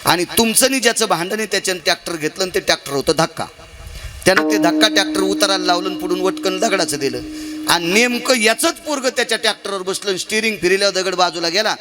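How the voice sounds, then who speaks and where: A man delivers a devotional kirtan sermon, telling stories dramatically with abrupt shifts in pitch and volume. He poses rhetorical questions to the audience and draws some phrases out into a half-sung chant.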